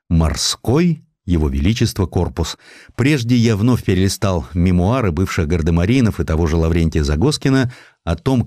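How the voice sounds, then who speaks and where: A man with a low voice narrates a historical tale in a theatrical, ironic manner. His intonation swings widely from phrase to phrase. The sound is very dry, with no room around it. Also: darkish tone, no room sound. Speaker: narrator of a historical audio sketch. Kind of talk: expressive scripted literary narration.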